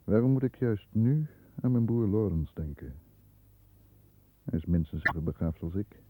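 An actor playing a stern, disdainful middle-aged lawyer who narrates his own thoughts in a measured way in a 1960s radio drama, heard on a muffled old recording. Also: lowish voice, animated. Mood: reflective, severe. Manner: measured, introspective first-person narration.

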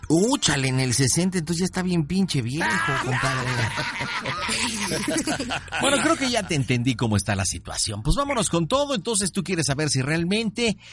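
A man's voice: a little high, very animated, a bit bright, soft background music. A man with a Mexican accent hosting a radio prank show, joking and slangy. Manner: joking, slangy, quick questions. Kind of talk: casual radio chat.

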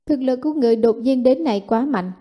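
A woman narrating a martial fantasy novel in steady, even storytelling. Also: high voice, quick pace, highs cut off. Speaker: audiobook narrator.

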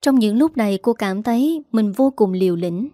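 A woman's voice: medium pitch, animated, normal speed, dark tone, dry recording, clean studio sound. A woman reading a dramatic family story aloud, voicing every character herself. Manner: emotional melodrama reading, voicing all characters. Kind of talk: storytelling narration.

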